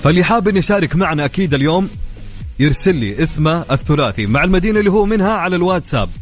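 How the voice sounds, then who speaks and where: A young man with a Saudi accent hosting a lively radio show, chatty and upbeat, answering his own questions. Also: a little high. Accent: Saudi Arabic. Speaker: radio host. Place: radio studio. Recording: studio radio with faint music.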